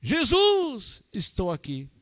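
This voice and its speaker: A man doing a young man shouting his prayer. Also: huge pitch swings, slow, exaggerated voice. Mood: fervent. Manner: cries out loud and high.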